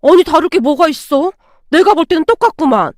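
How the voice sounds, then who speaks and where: A woman's voice: high-pitched, expressive, a little fast, a little mellow, no room sound, studio quality. A woman voicing a sarcastic adult son who needles his mother with taunting remarks. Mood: sneering.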